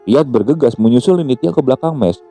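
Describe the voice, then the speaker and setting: Dark-voiced man narrating horror. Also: mid-range voice, lively intonation, fast talker. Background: faint music.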